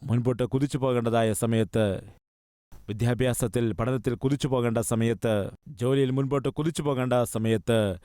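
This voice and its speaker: Smooth-voiced male preacher asking questions. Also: medium pitch, darkish tone, dry recording, studio quality. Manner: asks the listeners question after question; earnest, pleading appeals. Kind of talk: sermon.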